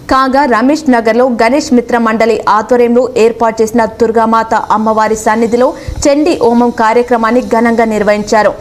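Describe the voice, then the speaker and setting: A woman reading local television news in a steady, formal manner with a Telugu accent. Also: fairly high pitch, slight background noise. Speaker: news reader. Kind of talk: scripted news narration.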